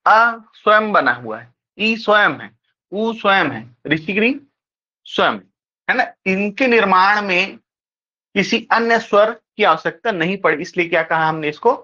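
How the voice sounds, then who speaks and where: A teacher giving an exam-prep grammar lecture, talking slowly and repeating points, often pausing to ask the class quick check questions. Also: mid-range voice, expressive, bright, forceful tone, lo-fi sound. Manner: slow, repetitive, keeps checking with rhetorical questions.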